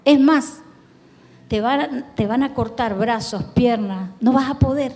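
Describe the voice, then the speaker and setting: A woman's voice: on the high side, takes it slowly, darkish tone, big-room sound. A woman pastor with an Argentine accent, preaching a sermon in an earnest, pleading way, talking straight to the listener. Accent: Argentine Spanish. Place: church hall.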